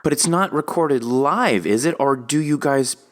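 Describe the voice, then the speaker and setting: A man's voice: on the high side, measured pace. A man hosting a podcast interview, chatting informally and enthusiastically in a rambling, conversational way. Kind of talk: casual interview chat.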